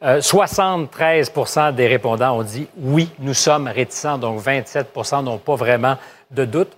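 A man with a Québécois accent hosting a live radio talk show, brisk and quick to interject. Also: mid-range voice, a little hiss or hum. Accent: Québécois French. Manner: brisk, interjecting, wraps up segments.

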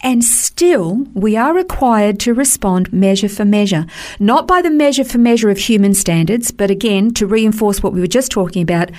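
A woman's voice: medium pitch, animated, normal speed, darkish tone. A woman teaching on a Christian radio program in an earnest, explanatory way, repeating words for stress. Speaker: Bible teacher.

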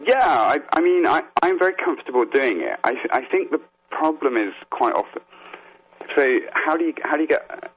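A man speaking as an interview guest, explaining things in an earnest, reflective way and halting as he gathers his thoughts. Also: a little high, animated, fairly bright tone. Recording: dull, muffled phone-like line.

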